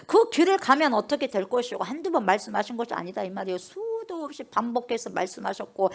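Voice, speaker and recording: Woman pastor, sermon, fairly high voice, very lively pitch, emphatic rhetorical questions.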